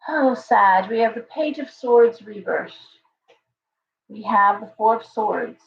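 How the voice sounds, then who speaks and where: Brief: hoarse woman, chatty tarot livestream host, off-mic in an echoey room, dull sound. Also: on the high side, slow, far from the mic. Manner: chatty, thanks viewers by name, restarts often. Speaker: tarot reader hosting a livestream. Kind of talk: casual livestream tarot reading.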